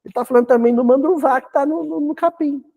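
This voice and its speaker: A man with a Brazilian Portuguese accent giving a spiritist talk in a folksy, animated way, with humorous asides. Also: very high-pitched, fast, vocal fry. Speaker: spiritist lecturer.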